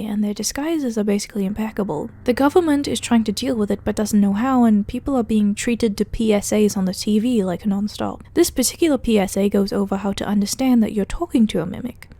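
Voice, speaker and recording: Higher-voiced woman, mellow, wry video essay narrator. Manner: conversational, wry, sardonic asides. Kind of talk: casual narrated recap and commentary of a horror web series.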